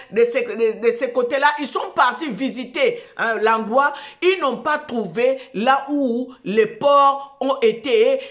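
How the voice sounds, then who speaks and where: A woman hosts her own show, speaking in a slow and emphatic way. She repeats herself and restarts phrases as she preaches. Her voice sits a little high. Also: a bit bright. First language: Lingala. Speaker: host of an online show. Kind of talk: preaching talk show monologue.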